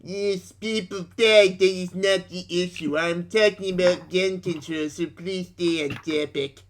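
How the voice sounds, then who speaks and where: A man's voice: high-pitched, steady tone, a little slow. A man voicing a dim, stubborn internet poster, whiny and argumentative, in a comic reading of posts. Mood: stubborn, self-righteous. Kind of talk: comic dramatic reading of social media posts.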